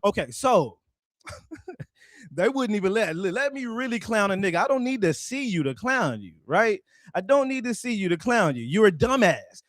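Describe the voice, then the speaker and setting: A man's voice: high-pitched, sing-song, moderate pace, a bit bright, no echo, clean studio sound. A man giving casual, profane ranting commentary, laughing often and mocking someone.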